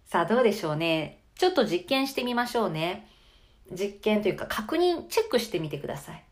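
A woman hosting her own podcast as a voice coach, talking through how speech turns monotone and demonstrating pitch changes. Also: fairly quick. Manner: lively, demonstrative, varies her pitch on purpose. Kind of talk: solo podcast lesson on speaking.

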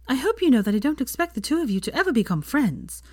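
A woman reading the lines of a young woman who is a patient but prickly friend, speaking in a brisk, earnest way. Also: sits high, sing-song, a little mellow, no echo, clean studio sound, voice pushed up. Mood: earnest, annoyed.

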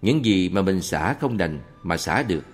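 A man reading a monk's answers aloud in a calm, measured Buddhist question-and-answer recording. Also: sits low. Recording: long reverb with faint background music.

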